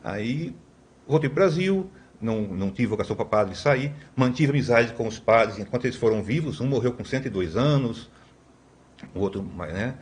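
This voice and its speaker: A middle-aged Brazilian man recounts his past as a guest on a podcast, his pitch rising and falling a lot. He rambles, restarts sentences and tags them with questions. His voice sits at an ordinary middle pitch. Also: expressive, normal speed. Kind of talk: conversational storytelling.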